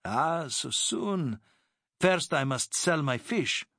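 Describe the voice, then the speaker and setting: A man's voice: fairly high pitch, expressive, slow pace, a bit bright, dry recording, studio quality, voice pushed up, exaggerated voice. A man doing a proud, courteous Arab sea captain. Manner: formal, broken English, courteous. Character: proud, shrewd middle-aged Arab boat captain.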